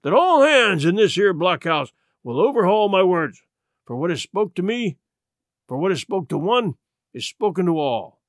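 A man voicing a rough, wrathful pirate ringleader who wheedles and threatens in salty sailor talk, for an audiobook. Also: high voice, sing-song, normal speed, darkish tone, no room sound, clean studio sound. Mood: wheedling, bargaining.

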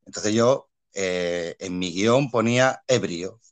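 A man from Spain with a Spanish accent, a guest actor telling anecdotes in a casual interview, animated and quick to laugh. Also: deep voice. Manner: animated storyteller, laughs often, many fillers and repeats.

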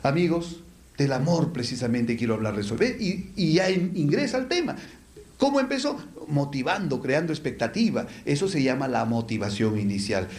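A man's voice: medium pitch, big pitch swings, normal speed, a little mellow. A man teaching public speaking to a live audience, asking rhetorical questions and answering them with lists. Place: lecture hall with an audience. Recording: echoey room.

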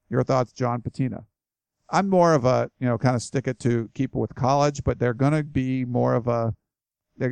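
A man talks through listener questions on his own podcast, casual and rambling, full of restarts and "you know"s. His voice is gravelly yet smooth and resonant, and it sounds worn from a long session. The close mic leaves the sound very dry. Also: medium pitch, darkish tone, no echo. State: voice tiring. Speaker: podcast host.

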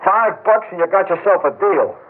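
An actor playing a gruff, plain-spoken jail inmate in a 1960s radio drama. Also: male voice, sits high, normal speed, a little hiss or hum, close to an everyday voice. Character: rough male jail inmate who turns meek and apologetic. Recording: tinny old radio broadcast.

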